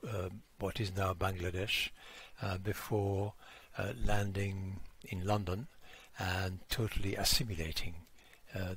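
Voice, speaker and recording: A man in his seventies with a French accent, telling his story as an interview guest and pausing on frequent fillers. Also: low-pitched, fairly bright tone, slightly rough. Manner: hesitant, pausing on many fillers.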